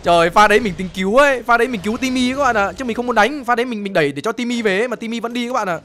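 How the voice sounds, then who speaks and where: A young man giving excitable live gameplay commentary, full of exclamations and brash trash talk aimed at opponents. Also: very high-pitched, racing. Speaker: gaming streamer.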